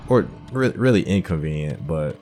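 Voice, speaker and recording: A man's voice: sits low, animated, moderate pace, darkish tone, faint music behind. A man hosting a video game playthrough with casual, rambling, musing commentary. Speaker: gaming host. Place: game commentary with game music behind.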